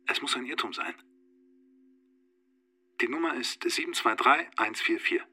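An actor playing a calm, cold, evasive man in a radio drama, speaking in a curt, controlled, matter-of-fact way. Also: mid-range voice, a little slow, slightly rough, exaggerated voice.

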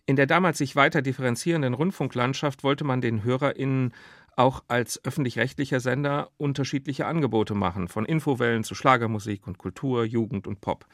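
A man's voice: medium pitch, dry recording, clean studio sound. A man hosting a radio discussion, putting prepared, formally worded questions in an articulate, structured way. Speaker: radio host, interviewer. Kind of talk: prepared interview questions and background narration.

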